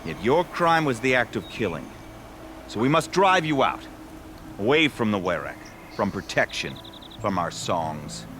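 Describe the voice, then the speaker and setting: Tribal shaman for a video game: solemn judge, lowish voice, dramatic rise and fall. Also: big pitch swings, background noise. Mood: solemn judgement. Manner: ceremonial, measured, pronouncing. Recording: music under the voice.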